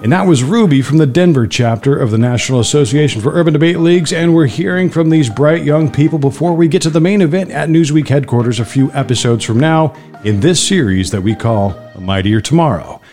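A man's voice: a little high, lively intonation, a little fast, darkish tone. Man narrating over music. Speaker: series host narrator. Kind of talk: scripted narration.

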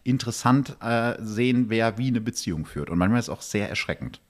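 A man's voice: fairly low pitch, animated, brisk. A man chatting casually as a podcast guest, telling stories in an anecdotal, conversational way. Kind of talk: casual chat.

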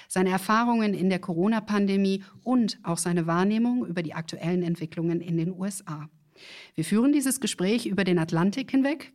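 Low-pitched woman hosting a business podcast. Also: a little mellow. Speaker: podcast host, business journalist. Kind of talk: scripted podcast introduction and interview.

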